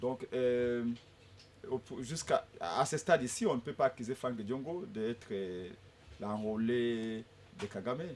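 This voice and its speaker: The man talks at a very slow pace. His speech has long, frequent pauses. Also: medium pitch for a man, ordinary pitch variation. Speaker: opposition politician. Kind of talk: political talk show debate. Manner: halting, repeats words. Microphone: far from the mic.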